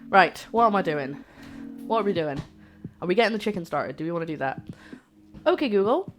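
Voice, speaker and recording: A young woman with a faint Scottish accent chats loosely to her stream audience as she cooks at home. Her voice sits on the low side, and she rambles in an easygoing way. Quiet music plays underneath. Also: big pitch swings, a little fast. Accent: light Scottish-English mix. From Scotland. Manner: chatty, rambling, talks to chat. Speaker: cooking streamer. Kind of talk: casual live-stream chat while cooking. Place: home kitchen.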